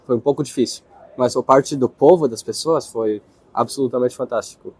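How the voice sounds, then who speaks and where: A young man from Israel with an Israeli accent, answering interview questions in his second language, pausing and searching for words. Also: medium pitch, a little mellow, slightly rough. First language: Hebrew. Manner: hesitant, searching for words, with restarts.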